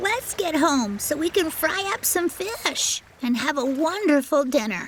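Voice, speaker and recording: A woman puts on a character voice, high-pitched and swinging very widely up and down. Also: moderate pace. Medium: read story. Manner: warm, motherly.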